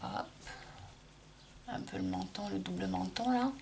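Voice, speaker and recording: A middle-aged woman talks through her makeup routine in a relaxed, chatty way, stopping and restarting her sentences as she works. Her voice has a light gravelly edge. There is a faint hiss and some room ambience behind her. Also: medium pitch, unhurried. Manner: chatty, explains while applying, frequent restarts and fillers. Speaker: makeup vlogger. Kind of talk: casual makeup tutorial.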